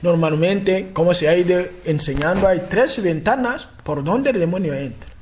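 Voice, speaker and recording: High-voiced African preacher, halting. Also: male voice, a little mellow, slight background noise. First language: a language of his homeland. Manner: halting, repeats and restarts words, asks listeners with "¿eh?" and "¿mm?"; chanting repeated proclamations with rising pitch. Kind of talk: sermon.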